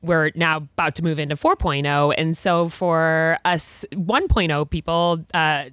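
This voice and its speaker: A woman's voice: low-pitched, fairly even intonation, unhurried, a bit bright, smooth, no room sound, studio quality. A woman hosting an interview, chatting casually with many fillers and frequent laughs. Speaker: podcast host.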